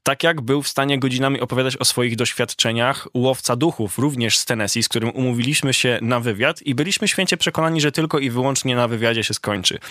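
A man, a travel reporter, telling stories casually in an interview, animated and full of fillers. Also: medium pitch, quick pace, hardly any pauses, no room sound, studio quality.

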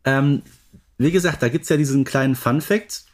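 A man's voice: mid-range voice, normal speed. A middle-aged man, chatting casually as a podcast co-host. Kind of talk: casual chat about audio drama episodes.

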